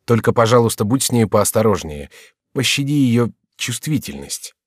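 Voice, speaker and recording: A man voicing a rash young nobleman with a sardonic, brisk manner, in an audiobook reading. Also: mid-range voice, big pitch swings, husky, dry recording, clean studio sound. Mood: wry.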